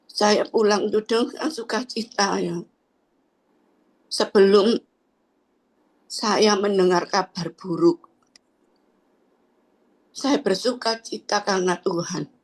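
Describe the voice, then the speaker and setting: Woman sharing her church testimony, slow and halting, kinda husky, keeps trailing off with fillers. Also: mid-range voice, steady tone, low-quality recording. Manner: hesitant, trailing phrases with frequent tag fillers. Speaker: church member giving testimony. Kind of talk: personal faith testimony.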